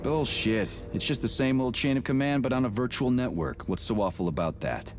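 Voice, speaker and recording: An actor playing a gruff, blunt male soldier in a video game, curt and impatient. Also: mid-range voice, brisk, close to an everyday voice. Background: game music.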